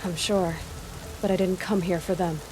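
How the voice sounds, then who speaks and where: A woman's voice: fairly low pitch, steady tone, normal speed, natural voice, rough recording. A woman playing a determined young tribal huntress in a video game, plain-spoken, sardonic and guarded. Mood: resolute. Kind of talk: video game cutscene acting.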